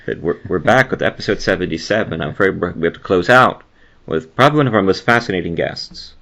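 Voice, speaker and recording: Male podcast host, very low with vocal fry, quick casual chat, lively intonation.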